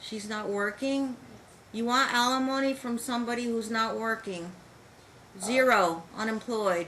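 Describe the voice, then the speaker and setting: A woman keeps a moderate pace while noticeable background noise plays around her. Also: ordinary pitch variation. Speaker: family court judge. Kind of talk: courtroom hearing.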